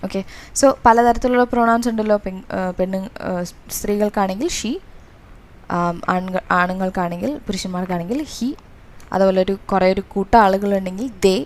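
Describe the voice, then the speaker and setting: A woman with a Malayali accent coaching students through exam revision, explaining in a mix of Malayalam and English with many fillers. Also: mid-range voice. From Kerala, India.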